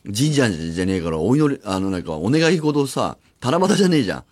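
Lively radio host man with low voice. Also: fast. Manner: rambling, animated storytelling with acted-out asides. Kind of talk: casual radio talk. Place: radio studio. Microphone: studio microphone.

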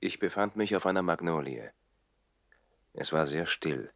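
Deep, gravelly, quiet storyteller. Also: male voice, lively intonation, dry recording, studio quality, heavily acted. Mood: hushed wonder. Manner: quiet, unhurried recollection. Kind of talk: radio play storytelling, 1960s. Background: birdsong and chirping.

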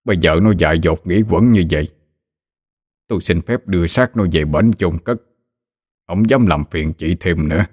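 A man's voice: low voice, moderate pace, pauses often, darkish tone, slightly rough. A man playing an older village father who speaks in a subdued, formal, apologetic way. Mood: ashamed. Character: older village father, ashamed and stiffly polite.

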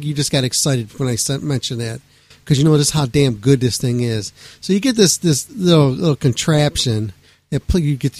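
A man hosting a radio show, talking casually and rambling excitably, cursing freely as he chats to listeners. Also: medium pitch, dry recording. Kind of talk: casual late-night radio chat.

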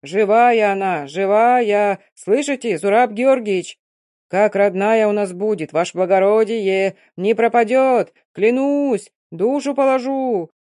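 A reader voicing an old gypsy man who shouts with fervour and speaks in a folksy way. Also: medium pitch, moderate pace, no echo, studio quality, natural voice. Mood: fervent shouting.

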